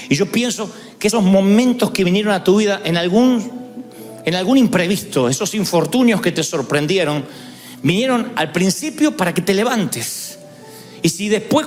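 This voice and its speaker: A man preaching a sermon, telling stories and rising to shouted calls to celebrate. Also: sits high, in a large hall. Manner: storytelling, building to shouted exhortation. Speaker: pastor.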